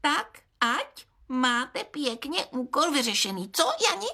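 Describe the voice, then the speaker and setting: A bouncy, squeaky big-eared little host for children's fairy tales, chirping with a high voice that leaps up and down in wide swoops, over a noisy hiss. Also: male voice, very animated, vocal fry, full character voice. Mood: chirpy. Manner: chirpy, addresses children as friends.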